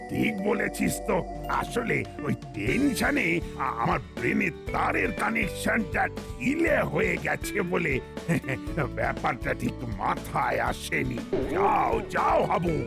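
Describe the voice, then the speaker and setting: A man's voice: on the high side, very animated, slow, creaky, heavily acted. A man playing a flustered, blustering police boss who stammers in a comedy cartoon. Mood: bossy. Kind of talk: exaggerated cartoon comedy acting. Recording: cartoon music behind the voice.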